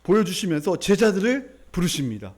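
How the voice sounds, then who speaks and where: A male pastor preaching a sermon in a church, telling stories with animated delivery. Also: sits high, brisk. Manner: animated storytelling, acting out the people in his story.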